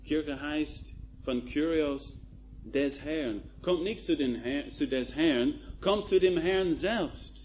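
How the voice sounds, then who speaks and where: A man preaching a sermon in a slow, emphatic style, building to rising calls to the listeners. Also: fairly high pitch, a little mellow. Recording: dull lo-fi recording with faint noise.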